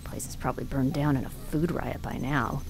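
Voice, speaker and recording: A sardonic woman ship's medic in a sci-fi audio drama. Her voice is low and she talks in a casual, down-to-earth way. Music runs clearly behind her. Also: steady tone, normal speed, a little mellow.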